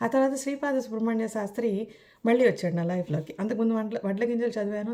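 Her voice fairly high and dark, mellow in tone, a woman speaks with lively intonation. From Vizianagaram, coastal Andhra Pradesh, India. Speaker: writer and reader. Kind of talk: personal reminiscence monologue.

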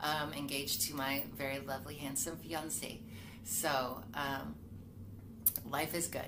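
A woman speaks at a fairly slow pace, with long, frequent pauses. Noticeable background noise runs behind her. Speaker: activist and community health worker. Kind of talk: personal testimony to camera. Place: home room. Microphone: webcam.

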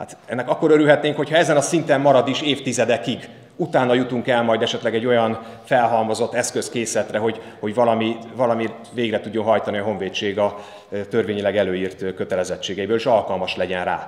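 A man talking very fast with ordinary pitch variation, amid audible room echo. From Hungary. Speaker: member of parliament. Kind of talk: parliamentary committee speech. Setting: parliamentary committee meeting. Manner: formal. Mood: critical, argumentative. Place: meeting room. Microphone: podium.

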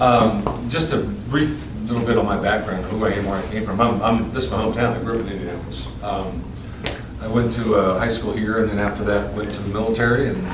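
A man talking at a very fast pace at a fairly low pitch, with ordinary pitch variation, audible room echo and noticeable background noise. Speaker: guest lecturer. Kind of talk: lecture. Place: classroom. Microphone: camera far.

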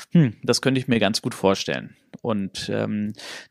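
In a normal speaking voice, a man talks at a medium pitch and a fairly slow pace, the sound dry with no echo against a quiet background. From Germany, Aachen area; Germany. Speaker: hotel manager; guest. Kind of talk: interview. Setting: hotel rooftop. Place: home room. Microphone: handheld.

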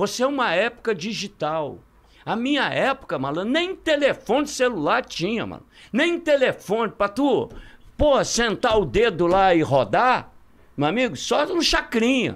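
At an extremely high pitch for a man, this male voice swings very widely in pitch. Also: fairly slow pace. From Rio de Janeiro state, Brazil (Paraíba do Sul, then Nova Iguaçu); Rio de Janeiro state, Brazil. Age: 70s. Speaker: former footballer and commentator; commentator. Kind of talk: casual chat. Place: studio. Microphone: studio mic.

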